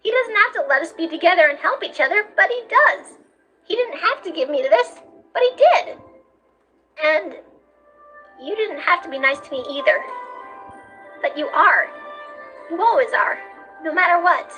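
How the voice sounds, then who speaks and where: A woman voicing a kind, hopeful, childlike skeleton brother in a cartoon comic dub, speaking in an earnest, pleading and animated way. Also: very high-pitched, normal speed, pauses often, faint music behind, exaggerated voice, low-quality recording.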